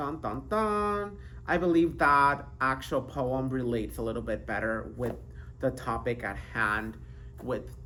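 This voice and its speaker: A woman's animated voice in a non-native accent, at a fairly slow pace, with audible room echo. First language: not English. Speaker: podcast host. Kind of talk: casual monologue.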